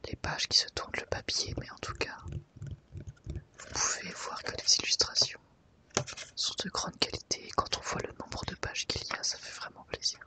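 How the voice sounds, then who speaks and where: This is an ASMR presenter, a woman whose whisper is soft and airy and whose delivery stays gentle, slow and deliberate. The microphone is positioned slightly off-center to the side.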